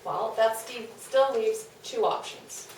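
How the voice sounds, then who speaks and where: A woman's voice: a little high, slow pace, a little mellow, slight background noise. Woman playing pushy worldly gal pal talking someone into stuff, comedy read, really echoey and off mic. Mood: matter-of-fact. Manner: persuasive, knowing, emphatic. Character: scheming, worldly, brash female confidante of a wife. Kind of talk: comedic play table read. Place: echoey room, away from mic. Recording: very echoey room, distant mic.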